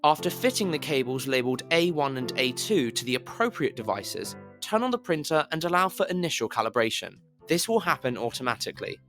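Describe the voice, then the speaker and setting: A man's voice: mid-range voice, big pitch swings, brisk, hardly any pauses, a bit bright. A man reading scripted narration as a voice actor, with a slightly pushed, over-articulated delivery, recorded in an audible room. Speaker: voice actor on a demo reel. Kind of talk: scripted commercial and instructional narration. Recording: roomy, reverberant home recording, music bed. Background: music bed in places.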